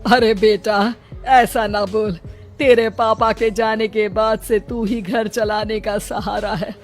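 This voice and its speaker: A woman's voice: medium pitch, little pitch movement, takes it slowly, soft background music, close to an everyday voice. A woman voicing a worried elderly village mother-in-law in a cartoon, talking in a pleading, fretful way. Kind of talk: cartoon voice acting.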